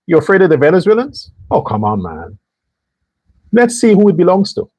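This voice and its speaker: A man's voice: sits high, wildly swooping pitch, moderate pace, a little mellow, breathy edge. A man hosting a political commentary show, delivering an emphatic monologue straight to his viewers. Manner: emphatic, talks straight to viewers, mock voices for others.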